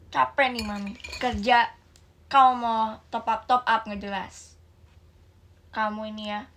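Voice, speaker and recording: Woman playing a loud scolding mother. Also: high voice. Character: angry scolding mother, fed up with her child.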